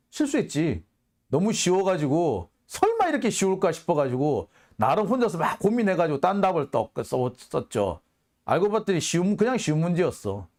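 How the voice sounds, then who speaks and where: A man's voice: high-pitched, darkish tone. A man hosting a political commentary monologue, heated and sarcastic, firing off rhetorical questions.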